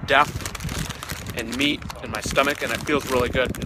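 Noticeable background noise surrounds a man's voice. The recording is dry, without any echo. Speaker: food reviewer. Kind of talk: casual vlog review. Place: street. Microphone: phone near.

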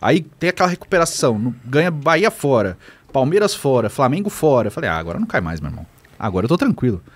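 A man speaks at a fairly high pitch and a fairly quick pace, with very wide pitch swings and vocal fry. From Brazil. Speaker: football YouTuber. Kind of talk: casual chat. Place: studio. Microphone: studio mic.

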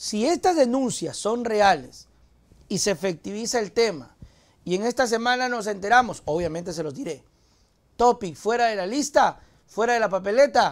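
A man's high-pitched voice, lively in intonation, at a moderate pace. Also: quiet background. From Ecuador. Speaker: political commentator host. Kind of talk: commentary. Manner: animated, sarcastic, joking; conversational, rhetorical, addressing audience. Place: studio. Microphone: lapel.

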